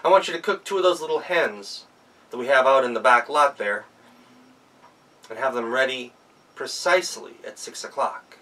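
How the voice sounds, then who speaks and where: A man voicing a fussy, excitable household master from a folktale, with an emphatic, commanding manner. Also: mid-range voice, moderate pace, pauses often, recorded from a distance, natural voice, rough recording. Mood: exacting.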